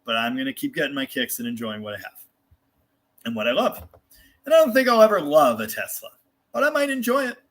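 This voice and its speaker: On a laid-back livestream, the host of a live car show, an American man, chats through viewer comments. His mid-pitched voice is bright, forward and sing-song, and his manner is candid and rambling, with mild swearing and plenty of self-deprecating jokes.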